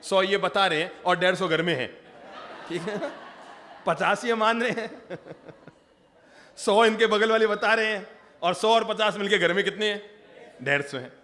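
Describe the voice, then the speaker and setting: A man's voice: high-pitched, moderate pace, sharp tone, a little hiss or hum. A Jain monk from Rajasthan preaching, joking with and questioning his audience. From Rajasthan, India. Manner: humorous, engages audience directly. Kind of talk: sermon. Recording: long hall reverb.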